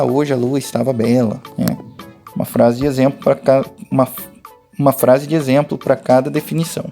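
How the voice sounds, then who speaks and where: Gravelly-voiced Brazilian teacher, patient. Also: male voice, medium pitch, mellow. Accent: Brazilian Portuguese. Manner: patient, explains step by step, addresses pupils directly. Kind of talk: remote lesson walkthrough for schoolchildren.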